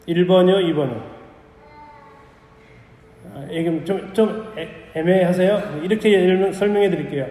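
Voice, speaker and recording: A man's voice: high-pitched, measured pace, long pauses, warm tone. A middle-aged man giving a lecture to church-school teachers. He keeps asking the audience questions and then answers them himself. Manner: acts out parents' remarks in quotes. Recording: echoey hall with long reverb.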